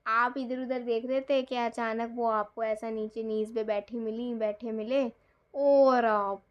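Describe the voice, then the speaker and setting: Woman tarot reader, chatty storyteller, slightly high voice, acts out dialogue. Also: a little slow, dull audio. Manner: chatty, animated, acts out quoted lines, laughs often. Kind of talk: casual storytelling tarot reading.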